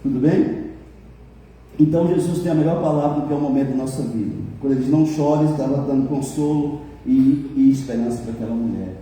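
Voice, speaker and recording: A male pastor preaching a lively sermon, joking and keeps asking the congregation for amens. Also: medium pitch, fairly quick. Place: large church hall. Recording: echoey hall from far off.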